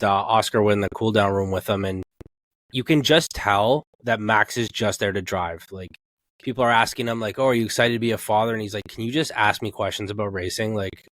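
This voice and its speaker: A man with a fairly low voice talks casually as a podcast co-host. He rambles in everyday language and acts out little quotes, recorded close and dry. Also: a bit bright, dry recording. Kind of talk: casual sports chat.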